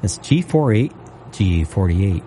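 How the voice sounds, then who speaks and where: A man calling bingo numbers on local radio, repeating each one slowly and steadily. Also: low-pitched, very animated, mellow, a little hiss or hum.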